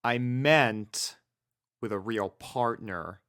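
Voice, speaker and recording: Man acting a slow-spoken, caring young man. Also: medium pitch, a bit bright, dry recording, clean studio sound. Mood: reassuring. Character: caring, patient young man, steady and reassuring. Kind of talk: fan fiction audio drama dialogue.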